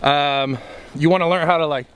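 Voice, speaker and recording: A man's voice: fairly high pitch, steady tone, fairly bright tone, clear, resonant tone. A man vlogging outdoors, giving a rambling, profane motivational talk straight to the camera. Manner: rambling, profane, fast and emphatic. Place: outdoors among trees.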